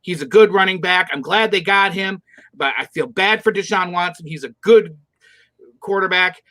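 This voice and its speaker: A man's voice: high voice, normal speed, pushed and bright, dry recording. A middle-aged man from Michigan, co-hosting a casual football picks show and ranting bluntly about teams. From Michigan, USA. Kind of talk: casual sports chat.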